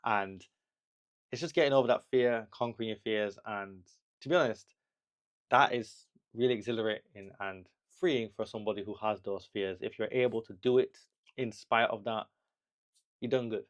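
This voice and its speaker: A man's voice: lowish voice, moderate pace, dull audio. Chatty man rambling through a travel vlog. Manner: chatty and rambling, with frequent laughs and restarts; reassuring and encouraging the viewer. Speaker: travel vlogger. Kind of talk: casual travel vlog talk.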